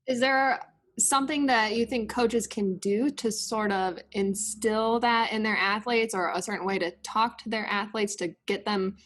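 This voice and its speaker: A woman's voice: mid-range voice, fairly even intonation, unhurried, a bit bright. A woman hosting a podcast, asking her guests long, thoughtful questions. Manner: asks long, considered questions. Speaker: podcast host. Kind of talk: interviewing.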